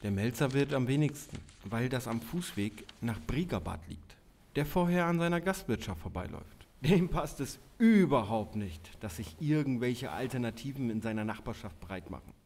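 A man acts out a middle-aged police officer and father in a crime audio drama. His voice sits at a medium pitch, and he talks in dialogue like an everyday colleague. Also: animated, normal speed, darkish tone. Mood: matter-of-fact. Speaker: police officer in drug squad.

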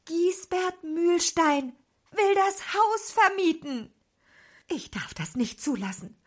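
An actress playing a small, feisty apple witch in a children's audio drama, husky and dramatic. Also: expressive, takes it slowly, heavily acted. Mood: indignant. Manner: dramatic, shifting between hushed and shrill.

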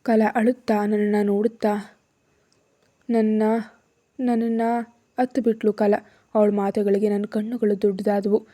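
Mellow-voiced woman storyteller. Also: mid-range voice, flat delivery, moderate pace. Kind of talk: first-person story narration.

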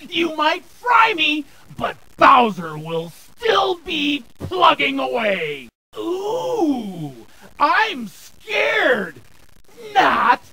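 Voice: sits high, big pitch swings, drawn-out words, vocal fry, sharp tone, heavily acted, rough recording. An actor voicing a cocky, jeering turtle villain in a cartoon video game, sneering and sarcastic.

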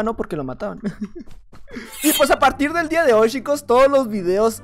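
A woman giving excitable, laughing Minecraft gameplay commentary, her voice slightly hoarse from just waking up. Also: on the high side. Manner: excitable, laughing, teasing other players. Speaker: gaming YouTuber.

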